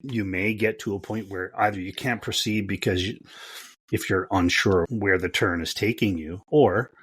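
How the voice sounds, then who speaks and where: A woman with a remarkably deep, husky voice chats informally as a podcast co-host. The sound is dry, with hardly any room on it. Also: moderate pace, no echo. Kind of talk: casual conversational interview.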